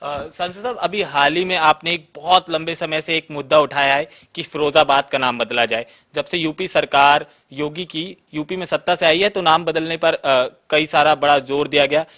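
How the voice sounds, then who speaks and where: A man's voice: fairly high pitch, moderate pace, few pauses, pushed and bright. A man with a Western Uttar Pradesh Hindi accent, a reporter asking long interview questions with "uh" fillers.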